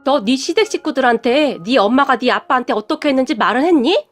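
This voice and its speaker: Storybook figure: high-pitched sneering aunt, greedy and scheming, read by a woman narrator, faint music under. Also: animated, quick pace. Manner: sneering, taunting.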